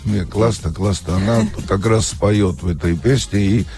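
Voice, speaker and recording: Man, low voice, radio guest, heartfelt, stumbling, studio, faint music behind. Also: moderate pace, dark tone. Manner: earnest, heartfelt, stumbling over words. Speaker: guest singer.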